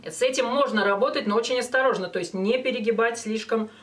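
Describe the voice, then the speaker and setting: A woman's voice: fairly high pitch, fast. Female vocal coach, slightly distant mic. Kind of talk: instructional talk with short sung demonstrations. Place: small indoor studio with banner backdrop.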